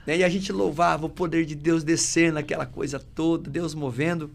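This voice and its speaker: With a brisk, gravelly voice on the high side, this pastor shares his testimony on a podcast. He acts out the conversations in his story, leans on frequent filler tags, and delivers scripture in a preacherly way that builds in emphasis.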